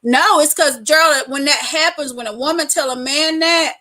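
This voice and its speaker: A woman with a high, bright voice holds forth in casual chat. She tells her stories loudly and frankly, with laughter and slang all through. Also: normal speed. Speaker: live stream co-host.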